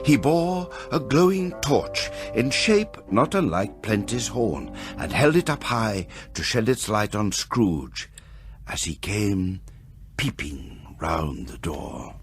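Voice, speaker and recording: A man's voice: lowish voice, very animated, takes it slowly, soft background music, exaggerated voice. A man narrating a radio drama as a theatrical storyteller, relishing each descriptive phrase.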